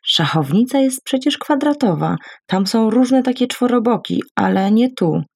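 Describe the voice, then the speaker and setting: A woman reading a first-person literary story in a quiet, measured, introspective way. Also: a little high, animated, vocal fry, slightly rough, no room sound, clean studio sound. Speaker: audiobook narrator.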